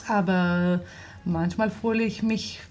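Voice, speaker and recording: A woman from Israel speaking German with an Israeli accent, an actress guest in a studio interview, halting and full of fillers. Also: fairly low pitch, steady tone, darkish tone. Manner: halting German with many fillers, light laughs. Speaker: actress and theater maker, guest. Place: radio studio.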